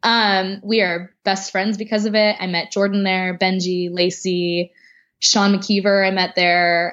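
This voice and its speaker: This woman has an American accent and a medium pitch. She talks very slowly, her intonation flat and monotone. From California. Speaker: professional swing dancer and teacher. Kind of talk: casual chat.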